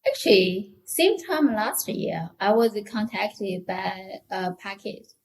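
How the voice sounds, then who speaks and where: A woman with a Chinese accent chatting as a podcast guest in a halting, hesitant way. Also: medium pitch, lively intonation, a little hiss or hum. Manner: halting, hesitant, many short restarts. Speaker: podcast guest, technical author. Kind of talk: casual interview chat.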